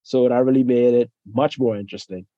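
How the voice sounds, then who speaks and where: A young man from the Bahamas, a podcast guest chatting casually, who laughs often and trails off softly at the ends of his sentences. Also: medium pitch, fairly even intonation, fairly quick, no room sound, highs cut off. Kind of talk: casual interview chat.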